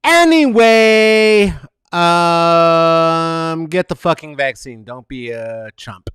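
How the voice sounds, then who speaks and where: A man hosting a casual comedic monologue, rambling and profane, animated and full of fillers. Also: a little high, very slow, smooth, no room sound, studio quality. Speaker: podcast host.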